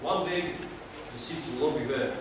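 His voice sits on the higher side and moves at an ordinary pace as the young man from Kazakhstan addresses his club in a small meeting room with a prepared speech. He sounds earnest yet unsure, leaning on many fillers, and the recording, made by a faraway camera with no mic, is echoey and noisy.

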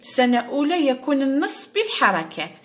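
A woman teacher with an Algerian Arabic accent, patiently explaining an exam to young pupils and repeating each word slowly for them. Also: sits high, sing-song. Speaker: primary school teacher. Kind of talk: lesson explaining a first-grade exam. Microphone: recorded at her device, screen-share style.

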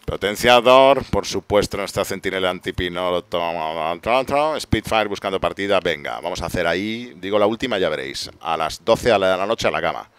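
A man's voice: sits low, fast talker, hardly any pauses, fairly bright tone, clear, resonant tone, no echo. A man with a Spain Spanish accent, streaming a game live with rambling, self-mocking banter, sounding tired. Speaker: gaming streamer. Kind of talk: casual live gameplay commentary.

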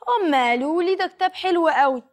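A woman's voice: extremely high pitch, fast. A woman voicing a puzzled little girl puppet with an Egyptian accent, chattering in a bewildered way.

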